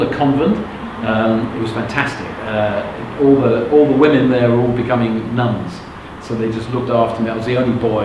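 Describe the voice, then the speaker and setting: In a very echoey room with background noise, a middle-aged man from England speaks to a live audience as a motivational speaker, sharing his life story. A native Russian speaker with a mid-range voice, he is candid and conversational and keeps checking whether the audience follows.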